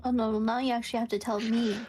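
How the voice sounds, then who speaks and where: A woman's voice: fairly high pitch, little pitch movement, quick pace, a little mellow, slight background noise. A woman playing a tabletop game, talking in character with a giggly, eager, teasing manner. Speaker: player.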